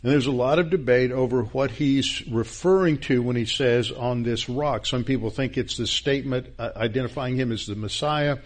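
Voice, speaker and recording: A man teaching a verse-by-verse Bible class, with a halting delivery full of restarts and stressed key words. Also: mid-range voice. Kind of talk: expository Bible class lecture.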